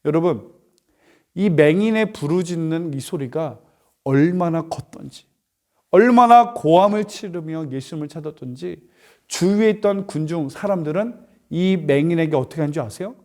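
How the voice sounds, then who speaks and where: A man, a pastor, preaching an animated storytelling sermon to youth, asking rhetorical questions and acting out the characters. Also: a little high, moderate pace. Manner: animated, acts out voices, asks rhetorical questions. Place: church.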